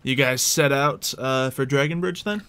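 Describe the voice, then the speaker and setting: A man serves as game master for a tabletop roleplay session. His voice sits at an ordinary pitch, and he explains options in a loose, informal way, often hedging as he goes. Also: moderate pace, a bit bright, slight background noise.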